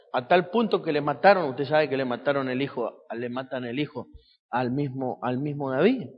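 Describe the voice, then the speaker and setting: A man's voice: fairly high pitch, big-room sound, dull audio. A man preaching a sermon as pastor, asking his congregation rhetorical questions.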